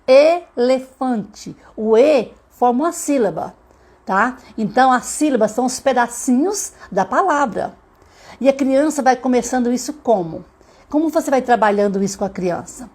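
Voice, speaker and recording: Speaking with a Brazilian Portuguese accent, a woman teaches literacy to mothers in a live online lesson, addressing them directly and slowing down to sound out words one syllable at a time. Her voice sits on the high side, with lively intonation and a slightly mellow, husky quality.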